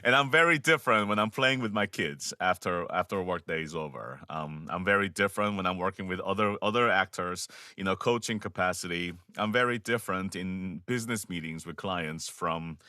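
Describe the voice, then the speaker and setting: A man with a Korean accent, a voice actor giving measured, thoughtful interview answers with frequent pauses and restarts. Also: sits low, bright, forceful tone, no room sound, clean studio sound. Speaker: voice actor guest.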